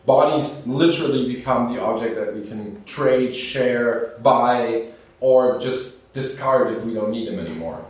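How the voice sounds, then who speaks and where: A man's voice: mid-range voice, a little slow. A man reading a formal academic paper aloud as a conference speaker. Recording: echoey room, far from mic.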